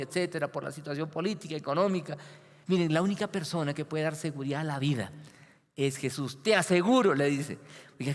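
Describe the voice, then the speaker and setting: A male pastor delivering a sermon, animated and building to emphatic peaks. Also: fairly high pitch. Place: church hall. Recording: long reverb of a church hall.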